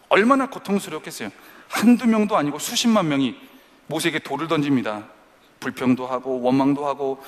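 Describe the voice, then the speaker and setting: A man's voice: on the high side, long reverb tail. A man preaching a sermon as pastor, dramatically acting out quoted prayers and complaints. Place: church service for young adults.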